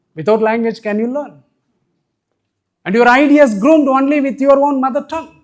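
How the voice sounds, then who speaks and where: With a Tamil accent, a man speaks at a moderate pace in an extremely high pitch, with ordinary pitch variation. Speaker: professor. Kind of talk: speech at a conference. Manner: animated.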